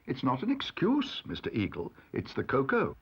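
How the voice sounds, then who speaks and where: A man's voice: mid-range voice, wildly swooping pitch, normal speed, husky, exaggerated voice. A man voicing a polite, earnest young bear in a storybook reading, speaking literally and carefully. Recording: dull lo-fi audio recording.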